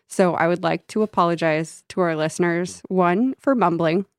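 A podcast co-host with a slight Midwestern accent chats casually, laughing a lot and playing with the sounds of words while her braces make a faint whistle. Her voice is lowish and moderately paced, recorded cleanly on a studio mic with no echo.

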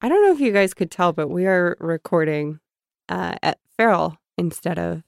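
Quiet, mumbly woman podcast co-host. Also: lowish voice, normal speed, vocal fry, dry recording, studio quality. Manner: teasing, deadpan jokes. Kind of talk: casual podcast chat. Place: studio, not the usual one. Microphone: studio microphone.

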